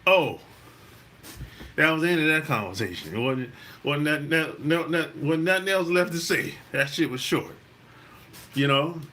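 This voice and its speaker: A man's voice: a little high, expressive, normal speed, long pauses, bright, forceful tone. A middle-aged man from South Carolina, hosting a podcast and telling a story in a loose, profane way, full of "you know.". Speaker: podcast host. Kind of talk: casual storytelling monologue.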